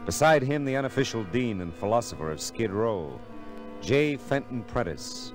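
A man's voice: mid-range voice, sing-song, moderate pace, lightly acted. An actor playing a wry, wisecracking male private detective in a 1940s radio drama. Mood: wry narration. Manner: wry, sardonic. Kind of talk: 1940s radio detective acting with first-person narration. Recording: old radio recording with music.

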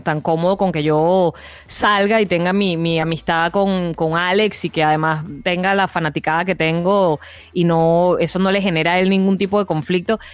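A woman speaking fast and frankly in a casual podcast chat. She tells stories with lively acted-out quotes, and her voice sounds close and dry. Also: on the low side, no echo. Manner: frank, animated storyteller who acts out quotes.

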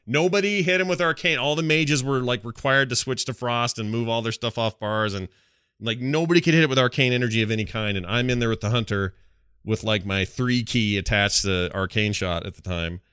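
A man's voice: mid-range voice, brisk, a bit bright, smooth, no room sound, clean studio sound. A man hosting a gaming podcast, talking casually and rambling through informal asides. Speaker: podcast host.

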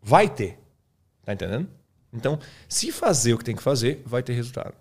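A man's voice: medium pitch, fairly quick, breathy edge. Casual Brazilian man explaining a method. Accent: Brazilian Portuguese. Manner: relaxed, colloquial, peppers speech with tag questions. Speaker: English teacher.

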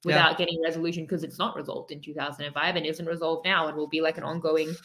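A woman's voice: low voice, quick pace. Chatty woman podcast co-host in her thirties. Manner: chatty, animated, many fillers. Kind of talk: casual chat.

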